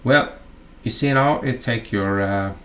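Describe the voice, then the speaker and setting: A man from Norway, speaking with a Norwegian accent, narrates a fly-tying lesson in a chatty, halting manner, full of asides and fillers. His voice is medium in pitch with a fairly bright tone.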